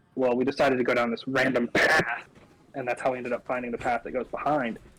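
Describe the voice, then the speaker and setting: A man talks at a very fast pace in a monotone, flat delivery. Noticeable background noise runs underneath. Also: medium pitch for a man. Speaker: podcast co-host. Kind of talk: casual chat. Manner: loud.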